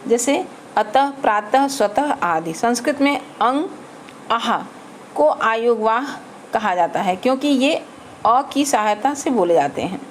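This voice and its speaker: A woman teacher giving a slow grammar lesson to children, spelling out letters and example words one at a time. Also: fairly high pitch, lively intonation, slight background noise.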